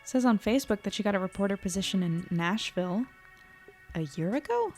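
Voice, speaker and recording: A woman's voice: medium pitch, lively intonation, fairly quick, a little mellow, close to an everyday voice. Woman acting as a young female reporter, earnest, self-doubting, conversational podcast drama, music underneath. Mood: pensive. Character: earnest, anxious young small-town newspaper reporter woman.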